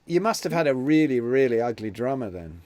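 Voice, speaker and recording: A man's voice: medium pitch, very animated, a little fast, a crowd in the background. A man hosting a casual conversation, rambling and often repeating words as he starts his thoughts. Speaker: host. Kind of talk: casual video-call chat.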